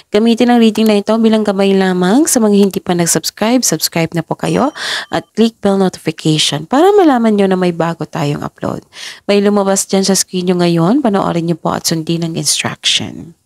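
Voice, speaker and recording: A young woman from the Philippines with a head cold, giving a casual tarot reading in a polite, halting way. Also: on the low side, creaky, a little mellow, no room sound, clean studio sound. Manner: polite, halting, stops and restarts often. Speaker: tarot reader.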